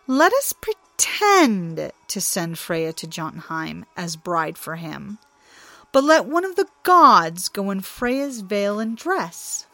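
A woman's voice: medium pitch, sing-song, sharp tone, no room sound, soft background music, exaggerated voice. A woman voicing a cunning, mocking male trickster god in a storybook reading, speaking in a sly, teasing way. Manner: sly, teasing, drawn-out mockery.

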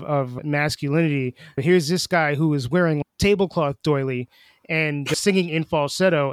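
Man, podcast host, chatty, quick reactions, slightly high voice, dry sound. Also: no room sound. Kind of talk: casual conversational interviewing.

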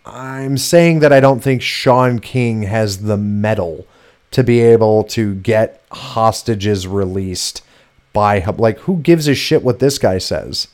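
A fairly low-voiced man hosts a political talk show in loose, casual chat. He talks in a sarcastic, mocking way and swears freely. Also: slow, darkish tone. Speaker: podcast host.

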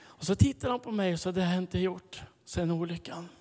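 A man preaching a sermon to a congregation, telling a story with sudden loud, high-pitched bursts of emphasis. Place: large hall, preaching to a congregation. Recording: long hall reverb.

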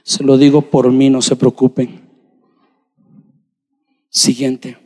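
A man preaching a sermon to his congregation, addressing them directly and swinging between shouting and hushed speech. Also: medium pitch, level tone, slow pace. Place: church sanctuary. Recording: long hall reverb.

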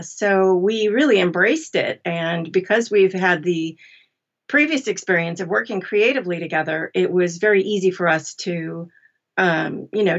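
A woman with a slightly low voice talks conversationally as an interview guest, explaining things casually. The audio is a bit dull and lo-fi.

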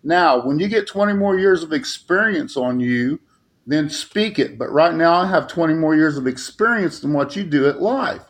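A man's voice: fairly high pitch, animated, normal speed. A man in his late fifties, a talk show guest, speaking bluntly and defending himself with emphasis. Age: 50s. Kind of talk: heated talk show argument.

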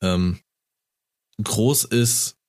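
A man in casual conversation about football, talking enthusiastically and getting animated as he retells a match. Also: lowish voice, drawn-out words. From Germany.

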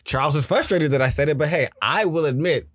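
A man's voice: fairly high pitch, quick pace, fairly bright tone, slight background noise. A man co-hosting a casual podcast chat, blunt and profane, telling stories with animation. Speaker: podcast co-host.

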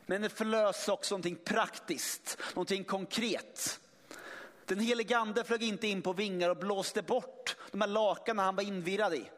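Male preacher with a high voice giving an emphatic sermon in a church hall with long reverb. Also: steady tone, a bit bright. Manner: emphatic, with many restarts and sudden swells in volume.

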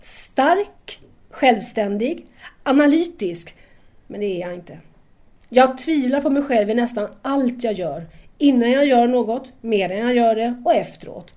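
A woman's voice: on the high side, animated, warm tone, close to an everyday voice. A woman acting in an audio drama as a shy, admiring young female student who doubts herself and speaks hesitantly and deferentially. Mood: self-doubting.

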